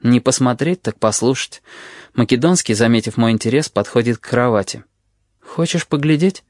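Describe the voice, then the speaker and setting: A man's voice: mid-range voice, fairly quick, a little mellow, no room sound, clean studio sound. A man narrating a novel in the first person, reading expressively. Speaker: audiobook reader.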